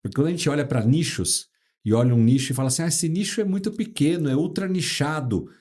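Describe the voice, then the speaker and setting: A man's voice: a little high, fast talker, darkish tone. A man hosting an interview podcast, enthusiastically affirming his guest and leading him with questions. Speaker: podcast host.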